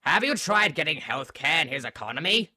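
Male actor, brash sarcastic spirit, forceful sharp tone, swooping intonation, theatrical, audio drama. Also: fairly high pitch, big pitch swings, fairly quick, no echo, heavily acted. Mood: mocking, impatient. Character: brash, mocking, psychotic spirit of Christmas Present. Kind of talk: fan audio drama acting.

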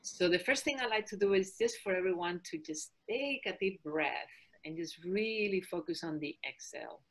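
A Spanish woman in her forties, speaking with a Spanish accent, leads a fitness webinar as a trainer and health coach. Her delivery is calm and soft-spoken, her voice on the low side, and she talks at a normal speed.

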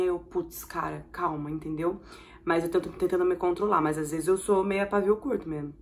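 Excitable Brazilian woman vlogger. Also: fairly low pitch. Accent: Brazilian Portuguese. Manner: expressive, excitable, rapid bursts and shrieks. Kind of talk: casual vlog reacting to viewer comments.

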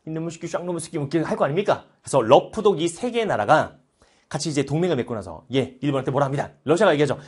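A man in his thirties teaching history in a lively lecture, animated and playful, breaking into joking voices. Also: a little high, rapid-fire, breathy edge. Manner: animated, playful, puts on mock foreign voices.

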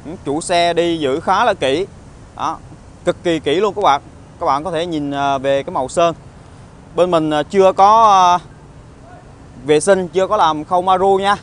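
A man with a southern Vietnamese accent giving an informal used car salesman's walkaround pitch, halting often with hesitations and tag words. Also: a bit bright. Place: outdoor car lot, partly inside a car. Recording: outdoor phone recording with traffic ambience.

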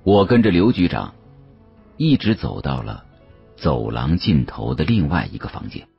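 A man's voice: a bass voice, sing-song, moderate pace, gravelly, husky, soft background music. A man narrating a story dramatically in the first person as an audiobook reader. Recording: dull, muffled dry studio sound.

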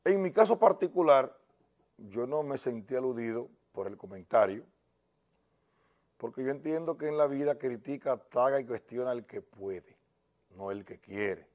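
Dominican male news commentator, mid-pitched, emphatic and indignant. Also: animated, normal speed, darkish tone. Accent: Dominican Spanish. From Dominican Republic.

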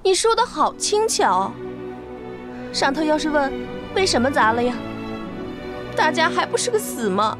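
An actress playing a worried young maidservant in a period TV drama, coaxing and pleading. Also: female voice, high-pitched, very animated, unhurried, long pauses, music in the background. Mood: anxious coaxing.

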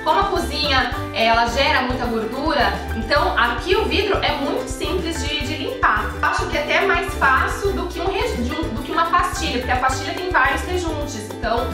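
Speaking briskly in a high voice with hardly any pauses, a Brazilian Portuguese-accented woman in her thirties vlogs about home organization from a modern kitchen. She's friendly and chatty, moves her hands as she talks, and restarts often. Picked up by a camera at medium distance, the recording is echoey and distant with music playing.

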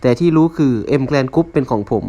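A man voicing a calm, quiet young husband who speaks evenly. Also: medium pitch, normal speed, highs cut off, close to an everyday voice.

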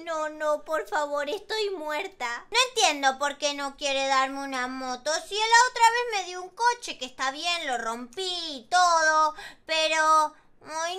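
Woman doing a very high, chattery little girl. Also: sharp tone. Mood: fretful. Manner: chattery, dramatic, frets aloud to herself. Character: small, mischievous girl afraid of her dad. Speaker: Roblox roleplayer. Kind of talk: game roleplay voice acting.

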